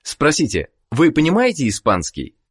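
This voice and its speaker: A man narrating a language course, giving measured prompts for the listener to repeat. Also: a little high, huge pitch swings, husky. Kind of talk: scripted instruction.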